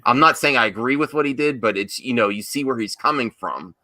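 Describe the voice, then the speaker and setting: A man's voice: mid-range voice, a little fast, pushed and bright, no echo. A man hosting a casual panel discussion, insistently repeating himself to get his point across. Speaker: host of a movie discussion show.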